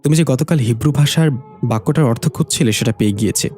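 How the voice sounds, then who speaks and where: A man's voice: mid-range voice, quick pace, darkish tone, faint music behind, close to an everyday voice. A man voicing a tired, helpful male librarian who speaks in a polite, earnest way.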